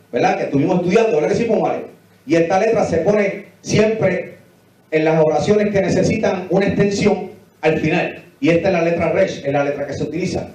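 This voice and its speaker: High-voiced preacher in an echoey hall. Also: male voice, a little mellow, recorded from a distance. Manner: emphatic, repetitive, asks the congregation questions. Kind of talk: Bible teaching sermon. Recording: echoey hall, voice picked up from afar.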